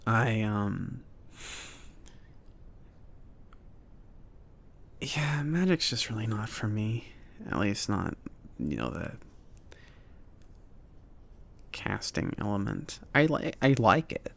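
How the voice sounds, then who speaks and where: A man playing a friendly, awkward mage shopkeeper in an ASMR roleplay, speaking softly and haltingly, often near a whisper. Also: lowish voice, sing-song, creaky, exaggerated voice. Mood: casual, modest. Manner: hesitant, halting, casual.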